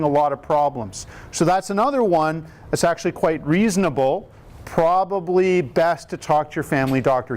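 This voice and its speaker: A man in his fifties who works as a cardiac rehab educator hosts a live Q&A, explaining health issues plainly and upbeat. His booming voice is pitched slightly high and a little mellow, and he repeatedly turns to the room with rhetorical questions.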